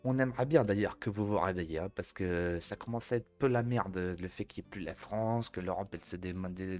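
A man's voice: lowish voice, a little mellow. A man reading an article aloud as host, breaking off to joke at the guest.

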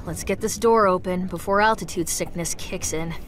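A woman's voice: lowish voice, normal speed, a little hiss or hum, natural voice. A woman voicing a hardened, guilt-ridden furry adventurer in a cartoon video game, speaking bluntly and intensely. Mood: curt, determined. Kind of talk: animated video game character acting.

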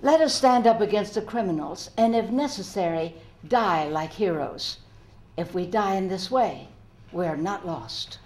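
A woman's voice: medium pitch, lively intonation, unhurried, darkish tone, lightly acted. An older woman playing a resolute ghetto resistance fighter in an earnest, declamatory dramatic reading. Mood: defiant. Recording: roomy echo.

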